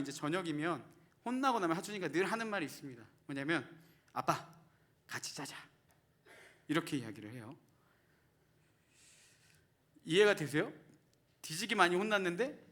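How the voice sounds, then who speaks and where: A man's voice: a little high, bright, forceful tone. A Korean man, a pastor in his thirties, preaching a sermon in church and asking the congregation questions. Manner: earnest, asks the congregation questions. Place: church sanctuary.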